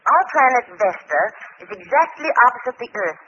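High-voiced, assured alien official. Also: male voice, big pitch swings, moderate pace, bright, forceful tone, heavily acted. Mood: explanatory. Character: assured alien official of a twin planet, explaining patiently. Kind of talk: 1950s radio drama acting. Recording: muffled, noisy old radio recording.

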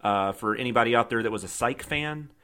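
A man's voice: mid-range voice, a little fast, bright, forceful tone, clean tone. A man co-hosting a casual podcast, friendly and supportive, talking loosely with fillers. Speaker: podcast co-host, writer.

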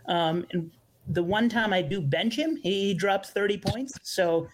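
A young man speaking as a podcast guest, his voice sitting a little high. He talks in a casual, hesitant way, often starting over and leaning on fillers. His tone stays relaxed and conversational. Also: measured pace. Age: young adult. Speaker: podcast guest, fantasy sports analyst. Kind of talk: casual interview chat.

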